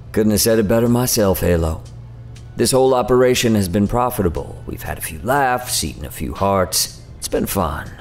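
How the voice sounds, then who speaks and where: Very low, sardonic faerie envoy. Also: male voice, expressive, normal speed, soft background music. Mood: wry, amused. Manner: sardonic, casual, taunting drawl. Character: flippant, sardonic male otherworldly envoy of a faerie court. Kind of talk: audio drama acting.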